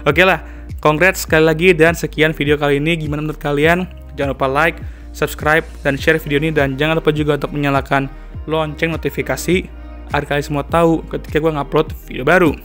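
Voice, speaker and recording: Fast-talking hoarse man. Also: fairly high pitch, little pitch movement, a bit bright. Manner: chatty, slangy Jakarta-style casual talk. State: slightly hoarse. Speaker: F1 commentary YouTuber. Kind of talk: casual vlog commentary. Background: background music.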